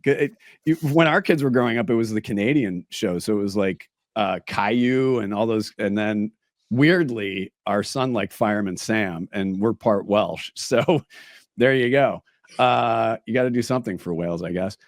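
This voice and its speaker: A man hosting a casual interview, a little raspy and hoarse. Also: on the low side, moderate pace, no room sound, clean studio sound. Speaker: podcast host.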